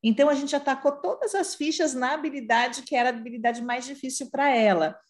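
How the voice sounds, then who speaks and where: A woman from Brazil runs a roundtable as a therapist. She explains concepts and tags her phrases with questions. Her voice is a little higher than average. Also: brisk. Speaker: speech therapist moderating. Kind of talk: roundtable moderation.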